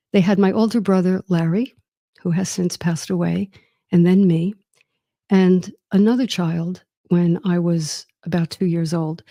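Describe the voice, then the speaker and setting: Host, woman, middle-aged, reflective storyteller with a dry wit, dark mellow tone. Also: fairly low pitch, no room sound. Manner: warm, wry and reflective. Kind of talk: personal storytelling monologue.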